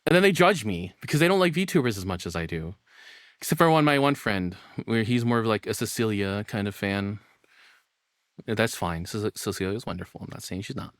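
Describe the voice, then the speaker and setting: A man doing casual live reaction commentary as a streamer, excitable and rambling, swearing freely. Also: fairly low pitch, brisk, no room sound, clean studio sound. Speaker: VTuber streamer reacting to videos.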